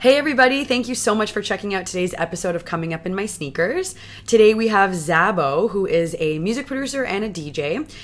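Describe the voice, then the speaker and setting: A woman at a fairly quick pace with very wide pitch swings and noticeable background noise. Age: 30s. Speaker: podcast host. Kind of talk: casual interview chat.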